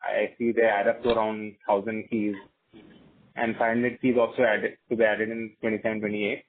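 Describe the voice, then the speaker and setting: A man with an Indian accent, an analyst putting halting questions on an earnings call. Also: lowish voice, flat delivery, slight background noise. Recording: narrow, tinny phone line.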